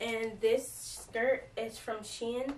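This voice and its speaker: Fairly even intonation shapes the voice, with noticeable background noise underneath. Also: woman. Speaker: fashion vlogger. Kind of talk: casual vlog chat. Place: home room. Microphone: camera far.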